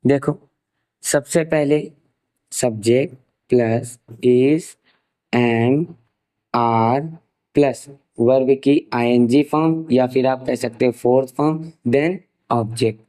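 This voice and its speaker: A young Indian man with an Indian accent leads an online grammar lesson. He talks at a slow, unhurried pace and in a mid-range voice, dictating example sentences one word at a time. His explanations mix English terms into Hindi. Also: mid-range voice, mellow, poor audio.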